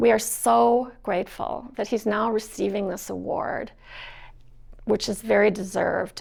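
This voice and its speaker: A woman's medium-pitched voice with vocal fry, ordinary pitch variation and a fairly slow pace, on a very clean recording with a silent background. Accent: American. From Minnesota. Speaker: physician. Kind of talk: award speech. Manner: formal.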